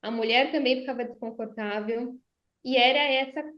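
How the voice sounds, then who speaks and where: A woman's voice: on the high side, steady tone, moderate pace, dull audio. A Brazilian woman, a speech therapist, explaining voice and breathing techniques in conversation and demonstrating them. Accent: Brazilian Portuguese. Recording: roomy echo.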